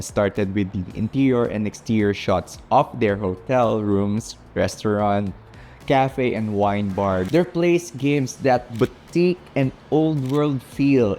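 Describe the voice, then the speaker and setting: A man's voice: mid-range voice, darkish tone. A man with a Filipino accent, a native Tagalog speaker, narrating a storytime vlog. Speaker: vlogger. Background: background music.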